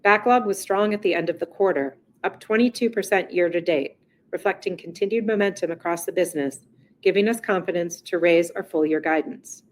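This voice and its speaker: A woman with a slightly low voice delivers prepared corporate remarks. Her manner is formal and measured, like a chief executive addressing investors. Faint noise sits in the recording. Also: rough recording. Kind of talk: scripted earnings call presentation.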